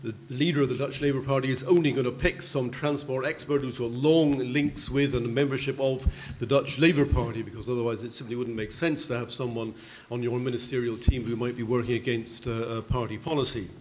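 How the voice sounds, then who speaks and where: An older man speaking as an expert panelist at a public convention, explaining at a measured pace with some hesitant restarts, into a table microphone in a large conference hall. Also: medium pitch, fairly even intonation, a little hiss or hum.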